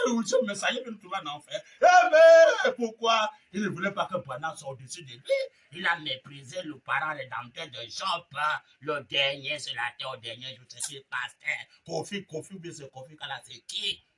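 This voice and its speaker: A man preaching a fiery sermon, shouting refrains and dropping to low mutters, with chanting, repeated phrases. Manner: shouts refrains, swings between loud cries and low mutters. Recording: voice heard from a distance from the mic.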